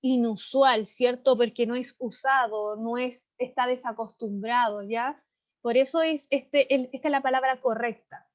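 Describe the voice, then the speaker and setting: A woman's voice: fairly high pitch, steady tone, unhurried. A woman teaching a literature class online, explaining vocabulary and often checking in with tag questions. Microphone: computer mic on a video call. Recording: slightly dull video-call audio.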